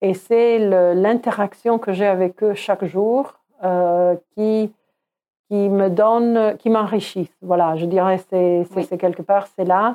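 Speaking at a very slow pace, a woman has a slight Italian accent. Her intonation stays fairly even. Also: medium pitch for a woman. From northern Italy, Turin. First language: Italian (speaking French). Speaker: finance director. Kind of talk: interview. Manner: halting, frequent repetitions.

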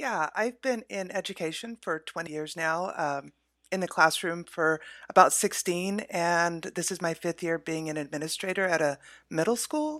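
A woman talks at a moderate pace in a normal speaking voice. Her pitch is fairly low with ordinary variation, on a very clean recording with a silent background. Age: 50s. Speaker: school administrator. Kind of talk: testimony.

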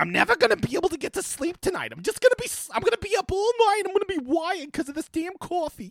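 A man puts on a character voice at an extremely high pitch. He talks very fast with hardly any pauses. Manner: fretful, complaining.

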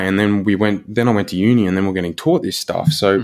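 A man with an Australian accent, a fairly low pitch and ordinary pitch variation. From Australia, small country town. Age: 30s. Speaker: physiotherapist. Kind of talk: casual interview.

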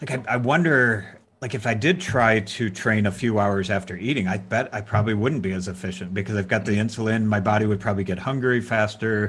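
This man has an ordinary speaking voice, pitched fairly low. He talks at a fairly quick pace with ordinary pitch variation. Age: 40s. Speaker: professor and strength instructor. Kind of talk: casual chat.

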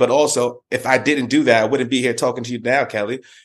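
A man with a New York accent talks at a very fast pace, using ordinary pitch variation. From New York City, the Bronx. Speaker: sales executive. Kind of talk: casual interview. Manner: animated.

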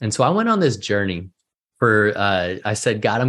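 A man with a fairly low pitch at a moderate pace, an unremarkable speaking voice, quiet background. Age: 30s. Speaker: author and entrepreneur. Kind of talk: interview.

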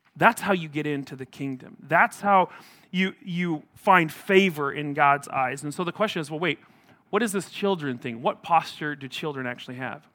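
A fairly high-pitched man with a Midwestern US accent, a bright, sharp tone, moderate pace, ordinary pitch variation and big swings in loudness, on a very clean recording with a silent background. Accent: General American, Midwestern. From US Midwest (north central Nebraska). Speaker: pastor. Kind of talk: sermon.

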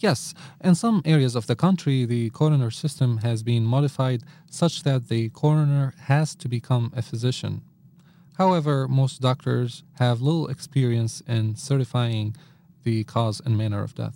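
At a moderate pace, a man with an Arabic accent speaks in a dark, mellow tone. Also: medium pitch for a man, ordinary pitch variation. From Damascus, Syria. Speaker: forensic pathologist. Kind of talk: educational podcast talk. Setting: studio.

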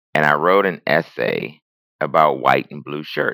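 Speaking with an American accent, a man with a very deep, low pitch and vocal fry talks at a moderate pace, his tone bright and sharp and his intonation fairly even. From US, Washington DC. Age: 50s. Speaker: nonprofit founder and advocate. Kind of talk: casual interview.

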